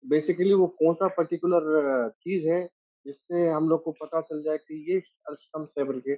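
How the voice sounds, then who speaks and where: A man's voice: fairly high pitch, fairly even intonation, moderate pace, no echo. Hesitant male student on a tinny line. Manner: hesitant, searching for words. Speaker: student asking a question.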